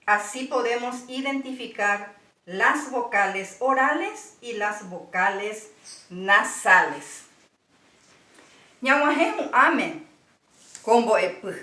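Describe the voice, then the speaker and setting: A woman with a Paraguayan Spanish accent, giving a slow, patient language lesson and spelling out sounds one by one. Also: fairly high pitch, animated, sharp tone, roomy sound, far from the mic. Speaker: language teacher.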